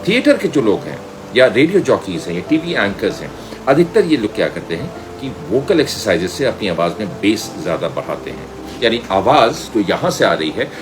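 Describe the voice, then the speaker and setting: Animated middle-aged Indian man lecturing. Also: fairly low pitch, moderate pace, music in the background, rough recording. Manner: animated storyteller, acts out dialogue, mixes in English phrases. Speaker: media school director and voice trainer. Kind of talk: informal lecture with personal anecdotes.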